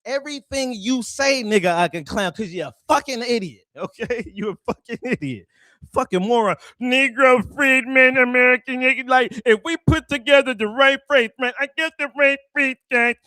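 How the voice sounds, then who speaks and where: A man's voice: very high voice, expressive, moderate pace, a bit bright, no echo, clean studio sound. A man giving casual, profane ranting commentary, laughing often and mocking someone.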